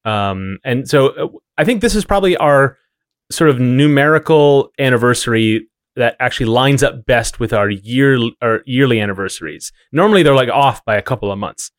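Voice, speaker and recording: A man's voice: mid-range voice, animated, moderate pace, dry recording, studio quality. A man co-hosting a podcast in casual chat, with a wry, rambling way of explaining things. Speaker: podcast co-host.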